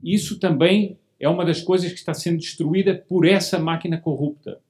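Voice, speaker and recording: A man's voice: a little high, fairly even intonation, brisk, a little mellow. Emphatic man speaking from a podium. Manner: emphatic, rhetorical questions, repeats words for stress. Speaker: lecturer at a monarchist meeting. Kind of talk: formal political speech. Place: hall with a podium, indoors.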